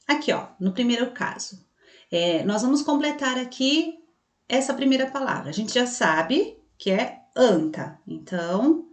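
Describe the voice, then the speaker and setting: A woman teaching a children's spelling lesson online, patiently explaining step by step and voicing the pupils' questions herself. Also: mid-range voice. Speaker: primary school teacher. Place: room with a passing truck heard outside. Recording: echoey room.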